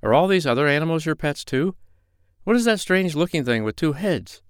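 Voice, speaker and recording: A man voicing a frightened, polite little boy in a storybook, in a high, childlike, pleading voice. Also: lively intonation, a little fast, clean tone, no room sound, studio quality, lightly acted. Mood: earnest, worried.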